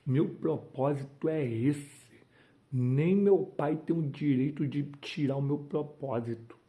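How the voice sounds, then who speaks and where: A man voicing Jesus as a calm, resolute adult man who speaks in firm declarations within a sermon. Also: a little high, slow pace.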